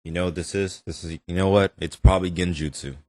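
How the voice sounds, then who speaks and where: Male reaction host, lowish pitch, casual commentary, emphatic, rambling delivery. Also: steady tone, fast, a little mellow.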